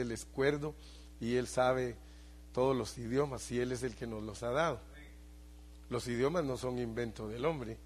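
An older man preaching as a pastor, talking with his congregation and often putting questions to them. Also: medium pitch. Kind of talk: sermon.

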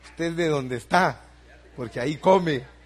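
A man's voice: on the high side, unhurried. An older male pastor preaching a sermon, asking the congregation for responses and building emphasis.

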